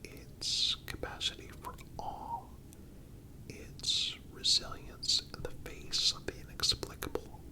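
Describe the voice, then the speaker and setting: Guy doing whispered asmr storytelling, breathy, really slow and deliberate w pauses. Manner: slow, deliberate, pausing between phrases. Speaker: ASMR narrator.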